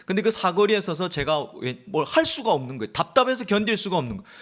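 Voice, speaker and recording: A man preaching a sermon as pastor, with a Busan accent, swinging between loud dramatic quotes and low quiet asides. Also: sing-song, quick pace. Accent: Busan Gyeongsang Korean.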